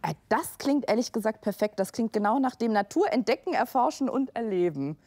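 A woman's voice: a little high, animated, fairly quick, darkish tone, dry recording, soft background music. A woman hosting a camping reality show, chatting casually and talking dramatically about what she dislikes. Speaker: host.

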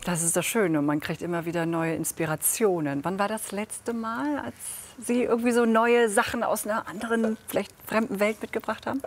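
A woman's voice: mid-range voice, brisk, few pauses, a little hiss or hum. A woman hosting a cooking segment, asking the guest questions in a friendly way. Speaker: TV host. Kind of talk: cooking show presenting.

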